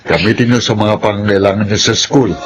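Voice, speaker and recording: A man's voice: on the low side, steady tone, a little fast, dull audio, close to an everyday voice. An actor playing a kind uncle who worries about his niece and gives her money. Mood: concerned. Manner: warm, concerned.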